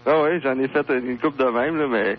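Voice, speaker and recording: A man's voice: medium pitch, fairly quick. A man in his twenties with a Québécois French accent, calling in to a radio show over the phone, talking bluntly and crudely with many fillers and hesitations. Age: 20s. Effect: caller's voice over a phone line. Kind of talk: phone-in chat.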